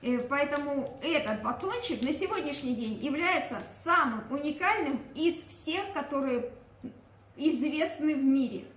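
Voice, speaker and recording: A woman's voice: sits high, lively intonation, measured pace, a bit bright. A woman giving a product presentation, explaining emphatically and often asking questions that she answers herself. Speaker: presenter promoting a nutrition product. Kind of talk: product presentation talk to a group. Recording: echoey room with faint background noise.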